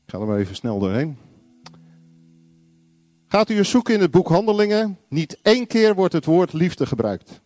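A man preaching a sermon, blunt and confrontational, acting out little dialogues and shouting single words. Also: high-pitched, sing-song, normal speed, long pauses, dry recording.

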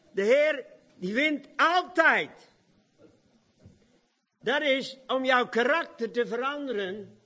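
A man preaching a lively sermon, acting out the quoted dialogue of the gospel scenes and often laughing. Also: extremely high pitch, slow pace, long pauses.

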